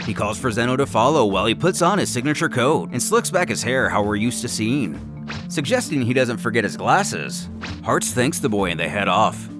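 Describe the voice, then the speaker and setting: A man's voice: medium pitch, very animated, moderate pace, over music. A man delivering dramatic scripted narration in a theatrical, emphatic way, as the narrator of a fan story recap.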